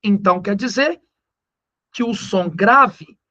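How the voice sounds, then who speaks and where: Joking Brazilian physics teacher. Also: male voice, high voice, pushed and bright, highs cut off. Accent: Brazilian Portuguese. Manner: slangy, joking, slows down to stress key numbers. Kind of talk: recorded classroom lesson.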